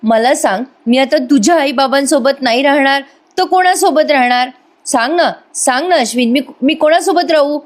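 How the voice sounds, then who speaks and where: A woman's voice: high voice, moderate pace, voice pushed up, close to an everyday voice. A woman voicing a scheming young woman who pleads tearfully, whining and stammering. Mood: pleading.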